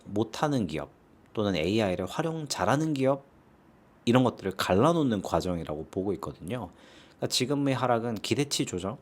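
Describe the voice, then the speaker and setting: A man with a fairly low voice speaks through a sore throat, casually answering viewer questions as the host of an investing channel. His pitch moves around a lot, and he keeps tossing in little rhetorical tag questions.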